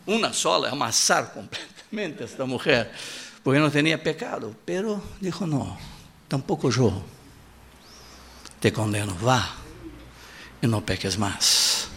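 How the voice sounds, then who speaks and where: Slow, gravelly-voiced Portuguese-speaking preacher. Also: male voice, mid-range voice, big pitch swings, fairly bright tone, a little hiss or hum. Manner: repetitive emphatic preaching, acts out quoted voices; halting Spanish with Portuguese words. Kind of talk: sermon.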